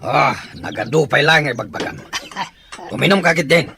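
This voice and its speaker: A man's voice: on the high side, normal speed, creaky, noisy background. A man with a Filipino accent acting a fierce, vengeful tribal chieftain in an audio drama. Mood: brooding.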